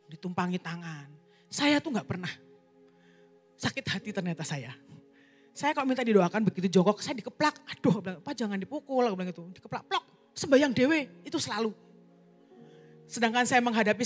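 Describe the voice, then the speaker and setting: A woman evangelist preaching a sermon, telling a personal testimony in a lively storytelling way and speaking directly to the congregation. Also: mid-range voice.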